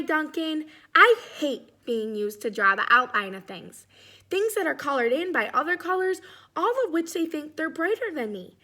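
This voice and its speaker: A woman's voice: high voice, sharp tone, pitched above the performer's own voice, full character voice. A woman voicing an indignant, resentful black crayon in a storybook, speaking with strong emphasis. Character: indignant male black crayon, sick of outlines.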